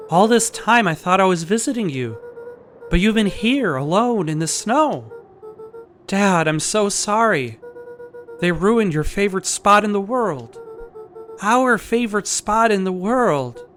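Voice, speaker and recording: An earnest young boy played by a man reading game dialogue aloud speaks with open emotion. The voice is high and unhurried, with faint game music behind it. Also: animated, fairly bright tone, full character voice. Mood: grieving.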